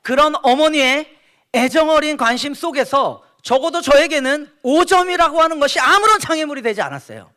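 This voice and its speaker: Animated high-voiced man preaching. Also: a little fast. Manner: animated storytelling, asks the audience questions, laughs along. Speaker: guest preacher. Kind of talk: lively sermon to a youth congregation. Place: church sanctuary.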